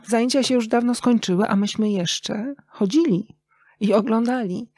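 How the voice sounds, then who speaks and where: A woman's voice: on the high side, warm tone, dry recording. A middle-aged woman speaking as an interview guest, telling anecdotes in a conversational way. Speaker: interview guest, radio journalist and writer.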